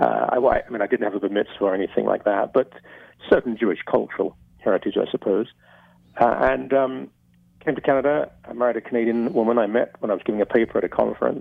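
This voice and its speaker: With an English accent, a man talks at a very fast pace. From England. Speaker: clergyman and author. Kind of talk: interview. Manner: halting, repeated words.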